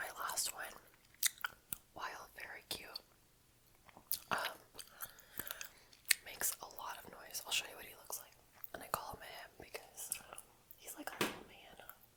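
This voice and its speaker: A woman whispering, with long, frequent pauses, big swings in loudness and noticeable background noise. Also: moderate pace. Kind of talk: ASMR gum chewing and rambling, casual talk to camera. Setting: lo-fi Apple mic recording at home. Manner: soft whispering, cozy.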